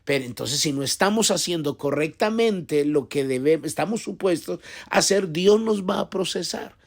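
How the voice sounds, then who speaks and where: A man's voice: a little high, lively intonation, normal speed, vocal fry. A man preaching a devotional sermon as pastor, earnest and repetitive, often restarting his sentences.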